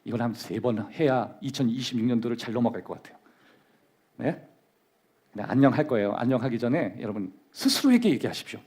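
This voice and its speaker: Male pastor, sermon in a church, husky voice, very lively pitch, emphatic call-and-response delivery. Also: fairly quick. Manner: emphatic preaching, leads the congregation in call-and-response. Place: church sanctuary.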